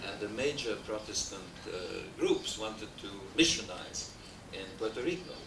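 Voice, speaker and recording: A man's voice: lowish voice, lively intonation, normal speed. Older Austrian-accented male lecturer, discursive and wry, recorded from a distance in an echoey hall on old noisy videotape. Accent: Austrian German. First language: German. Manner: discursive, frequent hesitations, dry humor. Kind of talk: academic lecture. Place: wood-paneled lecture hall. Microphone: desk mic on stand. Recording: roomy, distant, noisy VHS transfer.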